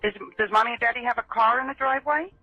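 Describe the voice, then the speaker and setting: A woman working as an emergency dispatcher, calming and questioning a child with endearments over a muffled telephone recording. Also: a little high, rapid-fire, dry recording. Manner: reassuring, uses endearments with a child.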